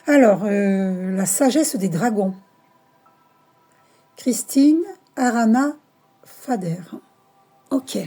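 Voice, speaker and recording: A woman's voice: medium pitch, expressive, very slow, pauses often, mellow, faint music behind. A woman hosting her own spiritual channel, talking casually to camera while she reads oracle cards, rambling and searching for words with many fillers. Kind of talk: casual spiritual monologue, card reading.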